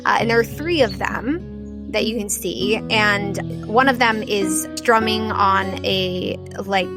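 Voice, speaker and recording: A woman acting as game master improvises tabletop RPG narration at a medium pitch, music playing underneath. Her delivery is casual and descriptive, broken by many pauses as she lays out the scene.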